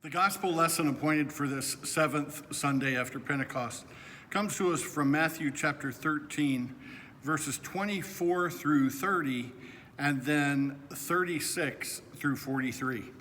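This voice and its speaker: A middle-aged pastor reading the gospel in a steady, clear liturgical manner in a church. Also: male voice, fairly high pitch, a little slow. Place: church sanctuary, indoors. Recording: echoing church with faint noise.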